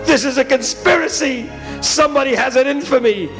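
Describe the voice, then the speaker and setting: A man's voice: sits high, animated, brisk, soft background music. A man voicing a nervous schoolboy full of dread in a comic story, hesitant, pleading and grumbling.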